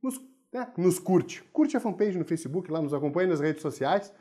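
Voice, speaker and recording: A man's voice: sits high, expressive, moderate pace, mellow, husky. A man teaching a video writing lesson. He talks emphatically and keeps asking rhetorical questions and answering them himself.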